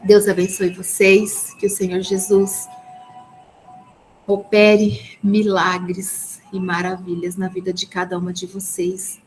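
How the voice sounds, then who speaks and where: A woman's voice: mid-range voice, monotone, slow, faint music behind, rough recording. A woman with a Brazilian Portuguese accent teaching a live online women's ministry Bible class, earnest and full of blessings, with frequent "amen?" tag questions. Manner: peppers speech with "amen?" and "né?" tags; earnest, blessing-filled preaching tone.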